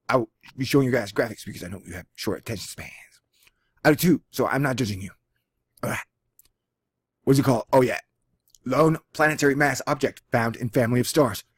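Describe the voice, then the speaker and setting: A man's voice: mid-range voice, husky, no room sound. A man with a Texan accent hosting a casual one-take vlog, reading a science article aloud with jokey, self-deprecating asides. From Texas. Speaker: channel host. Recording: dry, close lo-fi home recording.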